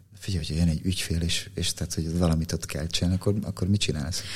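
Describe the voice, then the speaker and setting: This man's voice is very deep and low, and he speaks very fast. Nothing but silence sits behind him on a very clean recording. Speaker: podcast host, photographer. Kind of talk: casual interview chat.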